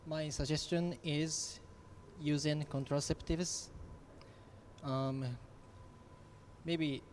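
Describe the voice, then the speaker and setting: A man's voice: fairly high pitch, fairly even intonation, extremely slow, darkish tone, slight background noise. A young man, giving his view on a student panel in careful phrases. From Japan. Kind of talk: panel discussion.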